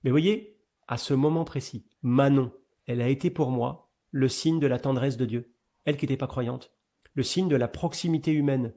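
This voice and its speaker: A middle-aged man, a priest, giving a webinar talk about his own experience, telling it in an animated way with fillers and repeated words. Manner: animated storyteller with sudden rises in pitch and loudness.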